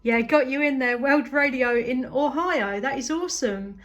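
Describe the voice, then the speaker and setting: A woman with a southern English accent and a fairly high voice works as a radio operator. She talks in a casual, upbeat way, chatty and keen as she trades calls and signal reports. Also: moderate pace, a bit bright, slight background noise. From southeast England. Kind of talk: casual long-distance CB radio exchange.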